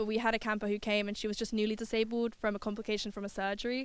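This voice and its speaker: On a very clean recording with a silent background, a speaker in an English accent talks at a very fast pace with monotone, flat intonation. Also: woman. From southern England. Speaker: camp counsellor. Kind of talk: interview.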